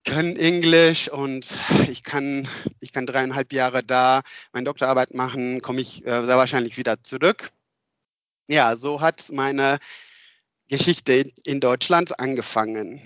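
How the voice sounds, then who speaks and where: A man's voice: medium pitch, steady tone, unhurried, fairly bright tone, no echo, dull audio. A man with a Turkish accent, a guest on a podcast, speaking non-native German hesitantly with many filler sounds and restarts. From Turkey. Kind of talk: casual interview.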